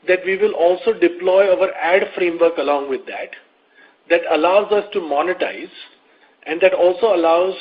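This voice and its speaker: A man speaking as a company executive, explaining things to investors on a conference call in a measured, methodical way. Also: sits high. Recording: muffled lo-fi conference call audio.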